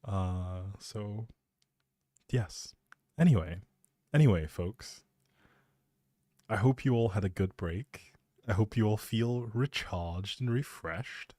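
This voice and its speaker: A man's voice: fairly low pitch, slow pace, pauses often, warm tone, no echo. A man chatting casually as a live streamer, rambling in a playful, self-deprecating way into a close microphone.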